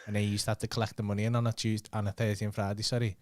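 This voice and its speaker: A man's voice: lowish voice, flat delivery, racing, no room sound, studio quality. A man hosting a podcast in casual banter, swearing freely and laughing often. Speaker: podcast host.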